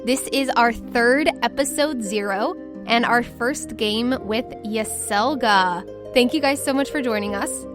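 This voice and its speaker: A woman's voice: a little high, a little slow. A woman acting as game master, narrating a tabletop roleplaying story in a casual, descriptive way. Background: background music.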